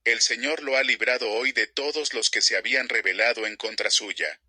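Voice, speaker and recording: A man's voice: medium pitch, steady tone, moderate pace, sharp tone, slightly rough, dry recording, studio quality. A man reading the part of a foreign male runner announcing news of the war. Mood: declaring.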